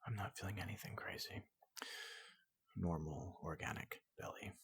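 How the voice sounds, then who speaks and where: A person softly voicing a large, gentle robot doctor in an ASMR roleplay, often whispering, speaking slowly and haltingly to reassure a patient. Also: low-pitched, breathy edge, no room sound, clean studio sound. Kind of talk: soft-spoken ASMR roleplay.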